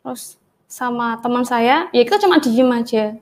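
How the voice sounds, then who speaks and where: Young woman, high voice, animated storytelling, casual testimony. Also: normal speed. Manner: animated, acts out the dialogue of her story. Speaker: guest giving a testimony.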